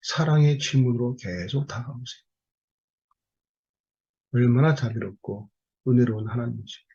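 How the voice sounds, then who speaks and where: A man's voice: mid-range voice, darkish tone, breathy edge, dull audio. A man preaching a sermon who keeps putting emphatic rhetorical questions to his congregation.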